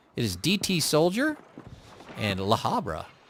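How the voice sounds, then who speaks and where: With an American accent and an animated tone, a man at a medium pitch swings his pitch very widely over noticeable background noise. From US Midwest. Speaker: gaming streamer doing mock news commentary. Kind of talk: live commentary.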